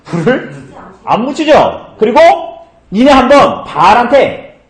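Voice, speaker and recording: Lively man teaching Bible study. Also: extremely high pitch, measured pace, roomy sound, low-quality recording. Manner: lively, asks the congregation questions and acts out quotes. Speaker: pastor. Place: church hall.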